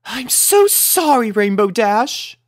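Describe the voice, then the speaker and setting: A woman's voice: on the high side, very animated, slow, no room sound, clean studio sound, voice pushed up. A woman voicing a prissy, dramatic lady pony with a fussy, scolding, theatrical manner, in a cartoon storybook style. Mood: apologetic. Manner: theatrical, indignant. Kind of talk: cartoon fan fiction character voice.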